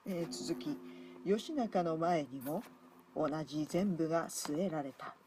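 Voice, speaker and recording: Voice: medium pitch, takes it slowly, background noise. A livestream host reading an old war tale aloud, often breaking off with chuckles and casual asides to viewers. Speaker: livestreaming reader.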